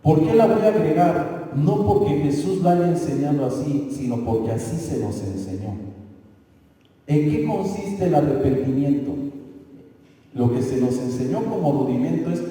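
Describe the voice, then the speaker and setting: A man's voice: a little high, lively intonation, moderate pace, dark tone. A pastor preaching a sermon in a conversational way, often stopping to ask his listeners if they follow him. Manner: conversational preaching with rhetorical questions. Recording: echoey church hall from far off.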